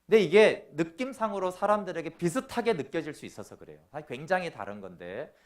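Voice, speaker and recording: A man's voice: fairly high pitch, very animated, fairly quick. A male pastor giving a sermon, asking the congregation questions and acting out the voices he quotes.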